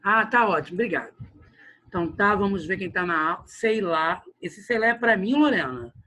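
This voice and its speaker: A man's voice: sits high, animated, normal speed, bright, forceful tone. A man teaching an online class over a video call, chatty and joking with his students.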